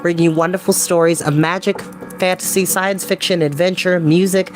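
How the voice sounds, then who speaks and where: Expressive storyteller over soft ambient music. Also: medium pitch, normal speed. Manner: expressive, theatrical, casual. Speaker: host reading books aloud. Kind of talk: animated storybook reading with chatty asides.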